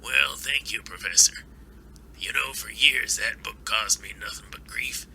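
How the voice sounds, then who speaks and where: A man's voice: fairly low pitch, a little slow, vocal fry, pushed and bright, a little hiss or hum, exaggerated voice, rough recording. A man playing a wary, folksy older author with plain-spoken manners in an amateur audio drama. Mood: rueful.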